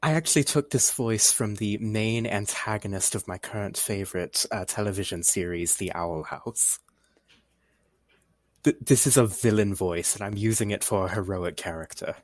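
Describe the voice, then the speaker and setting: A woman acts out a game hero who sounds like a cartoon villain. The voice is extremely deep and dry. The delivery is formal and courteous, with a sly edge that invites distrust. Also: moderate pace, no room sound. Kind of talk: character voice in conversation.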